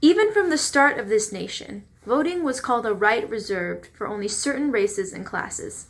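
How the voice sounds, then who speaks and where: A woman's voice: on the high side, expressive, normal speed. A woman delivering pointed, emphatic scripted narration for a readers theater piece.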